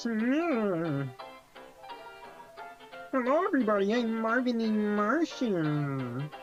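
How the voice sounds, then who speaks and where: Clear music plays in the background while a man uses a high-pitched put-on character voice. He goes at a very slow pace with long, frequent pauses. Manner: cartoonish imitation.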